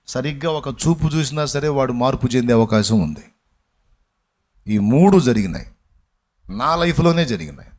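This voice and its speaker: A male pastor preaches in a voice pitched a little above the usual for men. He tells his story dramatically, swinging from loud exclamations down to hushed lines as he acts out the people in it. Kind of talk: sermon storytelling.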